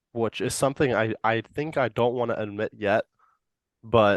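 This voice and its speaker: A man talks at a moderate pace and medium pitch with fairly even intonation. The sound is dry and close with no echo, over a quiet background. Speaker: sports podcast host. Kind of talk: casual sports podcast chat. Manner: halting, thinking aloud.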